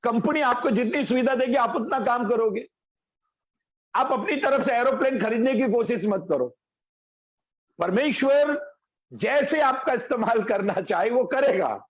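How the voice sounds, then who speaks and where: A man's voice: very high voice, animated, measured pace, dull audio. A male pastor preaching a sermon, telling folksy anecdotes and stories, over an online call. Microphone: video call.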